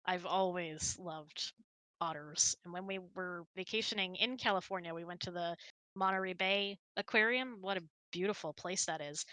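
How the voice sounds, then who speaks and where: A woman's voice: lowish voice, normal speed, sharp tone, no room sound. A woman hosting a casual online hangout, chatting and answering audience questions in a giggly manner. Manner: giggly, laughs often while talking.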